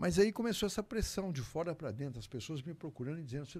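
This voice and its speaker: Somewhat breathy and dark, mellow in tone, a man speaks at a fairly quick pace with very wide pitch swings on a very clean recording with a silent background. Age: 70s. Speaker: mayoral candidate. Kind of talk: interview.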